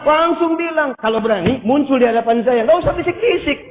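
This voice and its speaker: A man preaching a sermon in a mosque, lively and humorous, and his voice jumps up high for emphasis. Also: brisk, a little hiss or hum. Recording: tinny echoey hall recording.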